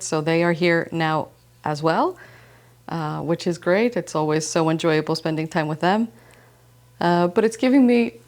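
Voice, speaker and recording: A woman from Iceland hosting a slow-living knitting podcast, speaking calmly and gently, first in reflective narration, then in casual chat. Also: lowish voice. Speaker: podcast host. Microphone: wireless transmitter mic.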